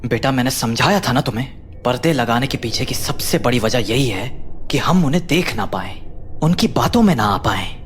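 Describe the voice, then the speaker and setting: A man playing a grieving father who explains things solemnly and calmly. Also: mid-range voice, moderate pace, slight background noise, natural voice. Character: grieving father, grave and patient. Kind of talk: audio drama acting.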